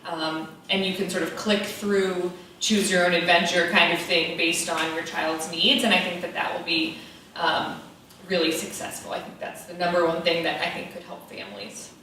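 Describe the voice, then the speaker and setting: Bright-voiced woman in an echoey hall. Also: lowish voice, far from the mic, a little hiss or hum. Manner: measured, informative, frequent ums. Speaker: panelist. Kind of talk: panel discussion. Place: event hall.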